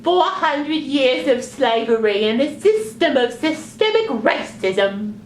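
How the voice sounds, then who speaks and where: Woman voicing an indignant, very high-pitched sock puppet. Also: sing-song, roomy sound, slight background noise, heavily acted. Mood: earnest, exasperated. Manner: emphatic, exasperated, drawn-out words. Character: indignant, earnest talking sock puppet, male. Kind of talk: puppet parody of a news town hall.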